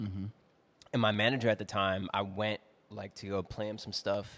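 A man's fairly low voice with a New York accent, at a moderate pace in a very clean recording with a silent background. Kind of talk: casual chat. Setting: studio.

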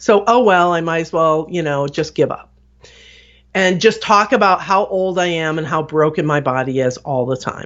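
A woman with an American accent speaks at a moderate pace. Her fairly low voice has lively intonation. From Ohio, US Midwest. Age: 50s. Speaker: chiropractor. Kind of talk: interview. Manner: animated.

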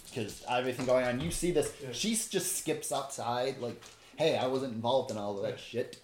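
The speaker uses an unforced reading voice with lively intonation.

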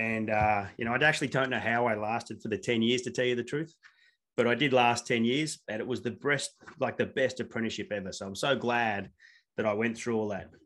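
An Australian-accented man of medium pitch, fairly quick and fairly even in intonation, against a quiet background. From New South Wales, Australia. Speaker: business leader and surfer. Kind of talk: casual interview.

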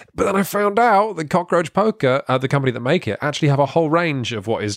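A man with a British accent speaks very fast, the sound dry and close with no echo. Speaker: board game podcast co-host. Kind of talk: casual chat.

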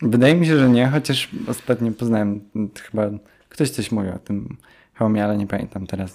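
A man talks in a plain, everyday voice at a medium pitch, with ordinary pitch variation and a fairly quick pace. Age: 20s. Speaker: university student and musician. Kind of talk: casual chat.

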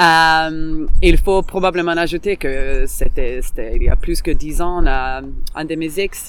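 A woman speaks with music in the background. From Finland, Helsinki. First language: Finnish (speaking French). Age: 30s. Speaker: DJ and dancer. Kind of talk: interview. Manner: halting, repeats words.

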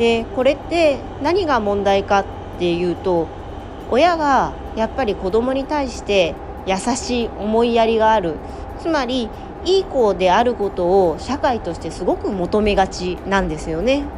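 There is noticeable background noise behind this woman. She speaks at a fairly slow pace with very wide pitch swings. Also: fairly high pitch for a woman. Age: 40s. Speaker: podcast host, working mother. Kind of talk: casual solo monologue, book review. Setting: outdoors on lunch break.

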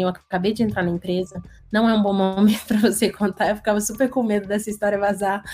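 A woman speaks with a slight Minas Gerais accent. Her intonation is monotone and flat. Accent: slight Minas Gerais (mineiro). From Minas Gerais, Brazil. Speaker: designer and podcast co-host. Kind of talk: casual podcast chat.

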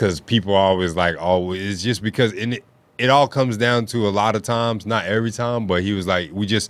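A man with a plain, everyday voice, fairly low pitch, ordinary pitch variation and a fairly quick pace. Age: 40s. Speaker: comedy podcast co-host. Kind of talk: casual chat.

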